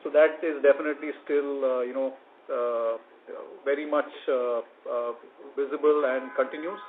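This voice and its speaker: A man speaking as a company executive, answering analysts on an earnings call with measured, hesitant phrasing. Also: mid-range voice, steady tone. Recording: noisy, narrow phone conference line.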